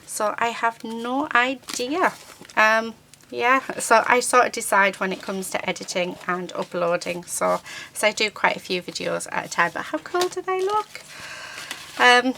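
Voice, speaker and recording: A woman hosting a casual paper-craft tutorial, croaky from a sore throat, chatty and often hunting for words between ums. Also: a little high, measured pace, sharp tone, a little hiss or hum. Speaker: craft channel host. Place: craft table indoors.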